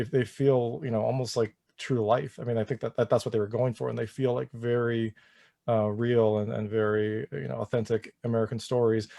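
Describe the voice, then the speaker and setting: A man hosting a relaxed video interview, his questions loose and full of "you know." His voice sits at an ordinary pitch and sounds close and dry, with little room around it. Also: vocal fry, no room sound. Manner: rambling, heavy use of "you know".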